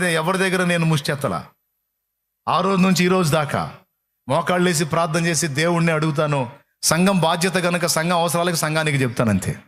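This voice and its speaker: A man's voice: fairly high pitch, fairly bright tone. A man preaching a sermon as pastor, repeating phrases and acting out prayers and dialogue. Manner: fervent preaching with repetition and quoted prayers. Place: church service.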